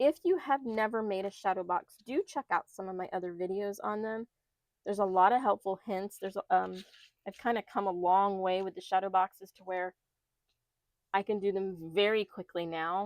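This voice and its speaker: An ordinary speaking voice from a woman at a medium pitch moves at a moderate pace with fairly even intonation and a dry, close sound that has no echo. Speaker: crafting tutorial host. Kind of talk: tutorial.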